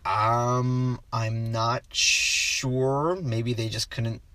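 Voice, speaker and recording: A man co-hosting a relaxed film discussion in a bright, forceful voice. He wanders, starts sentences over and trails off mid-thought. The sound is dry and close, with almost no room in it. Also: mid-range voice, very slow, dry recording. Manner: rambling, stops himself often and trails off.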